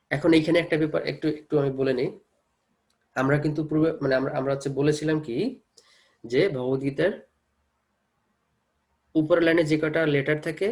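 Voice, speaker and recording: A man's voice: on the high side, darkish tone. Bengali-accented man teaching scripture. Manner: explains with rhetorical questions, checks in with "thik ache?"; reads verses slowly, chants Sanskrit. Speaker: Gita teacher.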